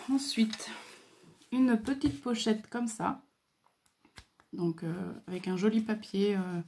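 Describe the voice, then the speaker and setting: Slow, mellow-voiced Frenchwoman showing crafts. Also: mid-range voice. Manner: hesitant, many fillers and pauses; admiring, soft-spoken. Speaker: craft video host. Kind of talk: casual show-and-tell.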